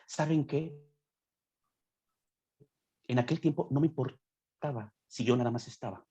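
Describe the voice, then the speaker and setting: A man's voice: mid-range voice, measured pace, mellow, slightly rough. A young man speaking as a guest on a podcast, preaching earnestly and acting out quoted voices as he explains a point.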